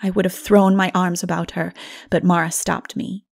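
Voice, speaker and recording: A woman narrating a dark fantasy audiobook dramatically, in a solemn, measured manner that is hushed at times. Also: lowish voice, level tone, gravelly.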